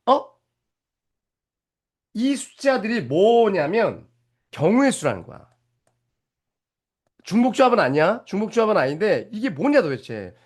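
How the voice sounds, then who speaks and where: A male math teacher giving a lively lecture, explaining step by step and often stopping to ask whether the students are following. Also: a little high, breathy edge. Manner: animated, keeps checking if students follow; explains step by step with rhetorical questions.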